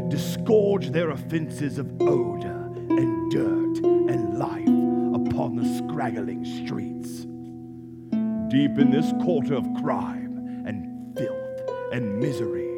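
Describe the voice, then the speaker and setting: A man narrating a radio play as a solemn, dramatic storyteller with deliberate phrasing. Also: medium pitch. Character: solemn male storyteller of a ghost tale. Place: theatre stage before live audience. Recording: stage recording, loud plucked-string music behind.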